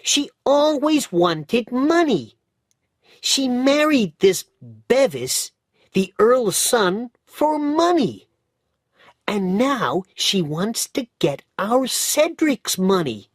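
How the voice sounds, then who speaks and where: A man doing an excited young shoeshine boy. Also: very high voice, dry recording, studio quality, voice pushed up, full character voice. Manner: shouting, breathless, urgent.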